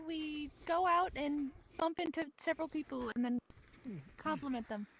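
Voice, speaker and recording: A woman's voice: high voice, normal speed, a crowd in the background, low-quality recording. A woman chatting in character during an improvised roleplay.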